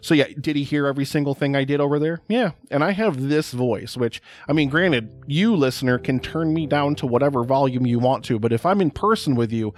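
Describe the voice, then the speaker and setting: A middle-aged man with a loud, projecting voice, hosting a podcast and telling a rambling personal story in a casual, chatty way. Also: mid-range voice, a little fast, few pauses, faint music behind. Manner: rambling, chatty, repeats words for emphasis. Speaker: podcast host.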